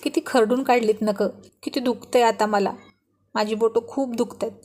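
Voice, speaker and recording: A woman's voice: a little high, steady tone, normal speed, a little mellow, lightly acted. A woman reading a storybook, voicing a pregnant young wife who protests and scolds sharply. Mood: scolding.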